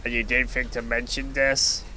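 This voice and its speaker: Sardonic male adventurer for fantasy audio play, played by a man; mid-range, tense bright tone, everyday blunt delivery. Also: medium pitch, little pitch movement, normal speed, slight background noise, low-quality recording. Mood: disgusted, sarcastic. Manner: sarcastic, blunt. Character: sardonic, exasperated, easily startled male adventurer hero. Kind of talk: audio drama acting.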